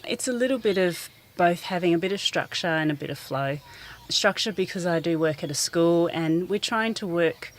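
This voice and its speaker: Low-voiced New woman, earnest. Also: normal speed, few pauses. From New Zealand. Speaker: school garden teacher. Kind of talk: radio interview, outdoor. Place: school garden outdoors.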